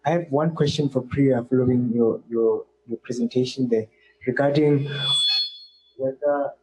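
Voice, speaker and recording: A man asking an unscripted question at a panel, halting and rephrasing as he goes. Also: medium pitch, fairly even intonation, lo-fi sound.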